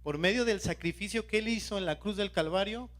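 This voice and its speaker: A man's voice: sits high, brisk, a bit bright. A man preaching a sermon as a lay preacher, who questions his congregation and keeps calling out to them. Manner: questions the congregation and urges them to stay alert.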